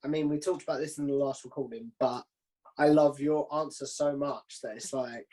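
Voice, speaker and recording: A man hosts a relaxed podcast interview in a medium-pitched voice. He talks informally, shares opinions freely and works out his thoughts as he speaks. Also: normal speed. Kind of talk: casual chat interview.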